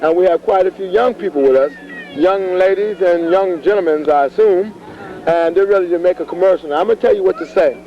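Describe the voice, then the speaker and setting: An American man with a high voice and brisk pace hosts informal community TV interviews with young people at a fair, joking and teasing as he goes. The sound is muffled, with a busy crowd audible behind him in a bustling auditorium.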